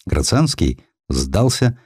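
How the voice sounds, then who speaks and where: A man narrates a historical sketch in a fairly low voice with very lively intonation. The sound is dry and close, and the delivery is that of a scripted, expressive audiobook reading. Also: slow pace, husky, no echo.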